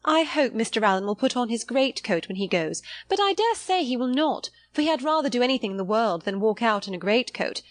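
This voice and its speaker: A placid middle-aged wife from a period novel, as a woman reader plays her. She prattles mildly and fussily about small matters in a lifted, higher voice. The sound is dry. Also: sing-song, a little fast, hardly any pauses, no echo. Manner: placid, mildly fretful chatter. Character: placid, trivial-minded middle-aged married lady, fussy about clothes.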